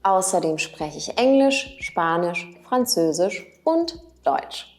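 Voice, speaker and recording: Female language teacher, unhurried, clear delivery, repeats example phrases for learners. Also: lowish voice, lively intonation, darkish tone. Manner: careful, repeats example sentences slowly. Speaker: German teacher. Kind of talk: slow, clearly spoken language lesson.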